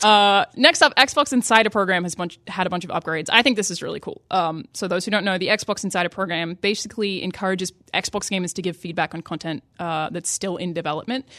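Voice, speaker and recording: A woman speaks very fast with hardly any pauses, her loudness swinging widely and her pitch varying in an ordinary way. The sound is dry and close with no echo, over a quiet background. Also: medium pitch for a woman. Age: 20s. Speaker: gaming podcast host. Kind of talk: casual chat.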